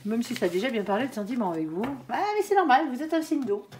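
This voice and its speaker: A woman's voice: fairly high pitch, lively intonation, rapid-fire, warm tone, a little hiss or hum. Nasal, chatty woman reading tarot. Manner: chatty, ends nearly every phrase with "hein". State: stuffy nose, coming down with a cold. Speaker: tarot card reader. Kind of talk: casual tarot reading to camera.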